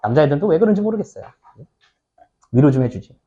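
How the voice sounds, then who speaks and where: A man's voice: on the high side, sing-song, quick pace, mellow, lo-fi sound. A man teaching an English exam passage, chatty and casual, often asking his students "right?" and acting out short scenes. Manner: chatty, asks students "right?" often, acts out little skits. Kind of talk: lecture explaining an exam passage.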